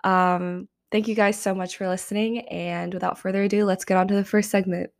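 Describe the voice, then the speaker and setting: A woman's voice: medium pitch, level tone, fairly quick, creaky. A young adult woman hosting her own podcast, talking casually with frequent ums, her voice slightly strained. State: slightly strained voice after karaoke. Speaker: podcast host. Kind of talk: solo podcast monologue.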